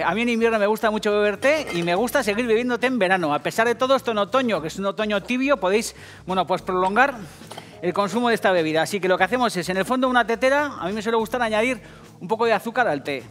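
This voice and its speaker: A man's voice: high voice, fairly bright tone. A middle-aged man with a Basque Spanish accent hosting a casual cooking show, talking straight to viewers in a jokey, profane manner. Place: TV kitchen set.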